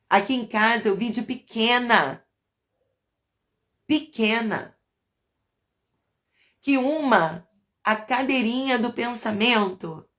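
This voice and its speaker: A woman's voice: on the high side, a bit bright. A middle-aged woman pastor with a Brazilian accent, giving a chatty, playful live church talk to women and asking her listeners questions. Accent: Brazilian Portuguese.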